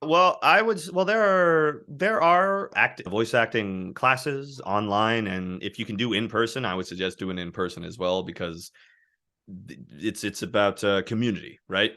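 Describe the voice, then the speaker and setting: A man who works as a voice actor, chatting as a guest and telling animated stories about his work. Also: lowish voice, normal speed. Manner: animated, anecdotal storytelling. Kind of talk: casual interview chat.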